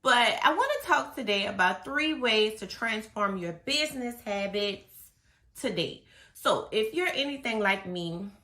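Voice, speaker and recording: A woman business coach giving a casual motivational talk, her voice a little hoarse and raspy. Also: on the high side, expressive, unhurried, pushed and bright, roomy sound. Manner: casual, chatty, reading from notes. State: slightly hoarse.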